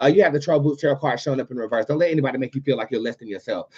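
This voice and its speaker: A man's fairly high-pitched, somewhat breathy voice with ordinary pitch variation. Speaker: tarot reader. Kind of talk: live stream tarot reading. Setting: live stream. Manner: fast; casual, profane.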